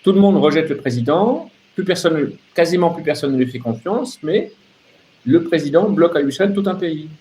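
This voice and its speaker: Expressive and fairly high-pitched, a man on an open-line show rants politically off the cuff at normal speed with a dark tone. He's sardonic and forceful, repeating himself and posing rhetorical questions, with slight background noise in the recording.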